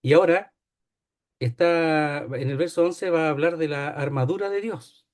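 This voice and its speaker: A man's voice: a little high, moderate pace. A man teaching a Bible study, explaining a passage and often checking in with "¿ya?". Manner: explanatory, repeats key phrases, asks "¿ya?".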